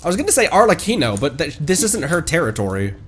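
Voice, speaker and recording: A man's voice: on the high side, sing-song, fast, soft background music. Casual man rambling through a game stream. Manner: rambling, thinking aloud. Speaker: livestreamer. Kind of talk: casual gameplay stream commentary.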